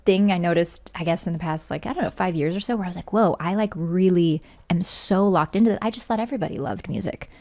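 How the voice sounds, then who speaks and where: A woman's voice: on the low side, fast talker, hardly any pauses, darkish tone. A young woman chatting casually as a podcast guest, telling anecdotes in a giggly, talkative way full of "like". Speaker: podcast guest, voice actor and singer.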